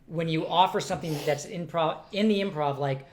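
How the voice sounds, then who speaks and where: A middle-aged man hosting a casual family podcast, a father talking loudly and joking at his own expense. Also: fairly high pitch, a little fast. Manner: loud, joking, self-mocking.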